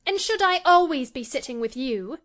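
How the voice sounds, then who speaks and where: A woman reading aloud, voicing a petulant, spoiled teenage girl in a high, lively voice. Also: normal speed. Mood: peevish.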